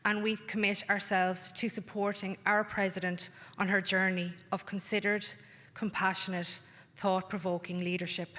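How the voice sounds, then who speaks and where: A woman reading a formal, measured ceremonial reflection in a large reverberant hall. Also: medium pitch, flat delivery, fairly bright tone. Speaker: speaker at an inauguration service.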